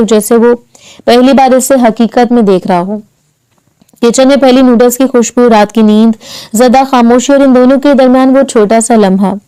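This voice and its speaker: A woman reading a romantic novel aloud in soft, measured scripted narration. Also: a little high, clear, resonant tone, low-quality recording.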